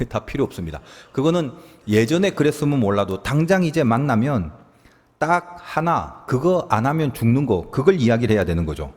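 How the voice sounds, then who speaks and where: A man's voice: mid-range voice, a little mellow. A man preaching a sermon as pastor, talking animatedly and acting out quoted lines. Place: church sanctuary. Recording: long reverb of a church hall.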